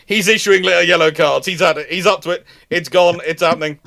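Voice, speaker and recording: A man's voice: high voice, brisk, creaky, noisy background. Man, rambling live commentary. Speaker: host of a live naval history question stream.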